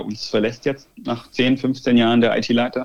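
Here a man talks at a medium pitch. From Swabia, southwest Germany. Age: 40s. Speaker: sales director at interim management firm. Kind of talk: podcast interview. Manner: frequent fillers and self-corrections.

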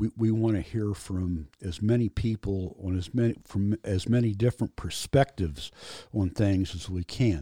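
With an American accent, a man speaks in a dark, mellow tone at a fairly low pitch with ordinary pitch variation, in a dry, close, echo-free and very clean recording with a silent background. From Indiana. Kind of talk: casual chat.

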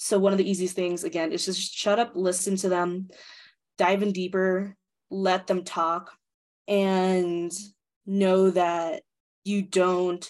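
Slowly and with long, frequent pauses, a woman speaks in an American accent at a medium pitch. Her intonation is monotone and flat, and the background is quiet. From United States, Filipino American family. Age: 20s. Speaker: DEI consultant. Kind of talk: casual interview.

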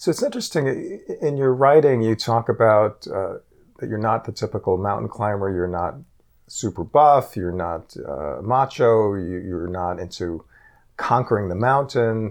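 A plain, everyday voice from a man of medium pitch, lively in intonation and moderate in pace, over a quiet background. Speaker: community radio host. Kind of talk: interview. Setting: studio.

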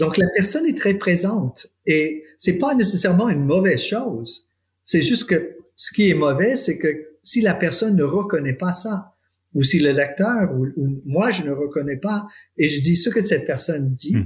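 In an English accent, a man speaks with a high pitch. He keeps a fairly slow pace. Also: lively intonation. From United States. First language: English (speaking French). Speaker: theology professor. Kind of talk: casual chat. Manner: halting.

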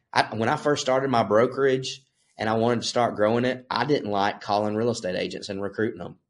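With an Alabama accent, a man speaks at medium pitch with ordinary pitch variation. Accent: Southern US (Alabama). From Alabama, US South. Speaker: real estate broker. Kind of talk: casual interview conversation.

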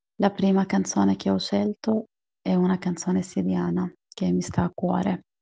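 A woman with a non-native accent at a moderate pace, very even loudness, and a dry, close sound with no echo. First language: not Italian (speaking Italian). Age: young. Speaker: human rights activist. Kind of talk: radio interview monologue.

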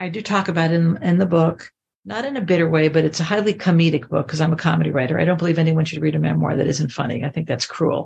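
A woman speaks very fast with an American accent in a somewhat breathy, fairly low voice. Her pitch varies in an ordinary way. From US Midwest. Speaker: actress and writer. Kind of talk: interview.

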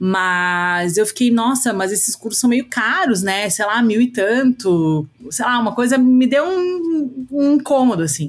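A woman's fairly high voice with very wide pitch swings, at a fairly slow pace with hardly any pauses. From Brazil. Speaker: graphic designer. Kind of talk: casual chat.

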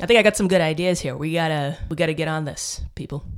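Animated in tone and lively in intonation, a woman with an American accent speaks in a very clean recording with a silent background. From New York, the Bronx. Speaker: comedian podcast host. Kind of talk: casual monologue.

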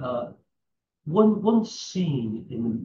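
The intonation here is lively. The voice is somewhat breathy. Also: man. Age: 80s+. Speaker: author. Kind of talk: interview. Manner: halting.

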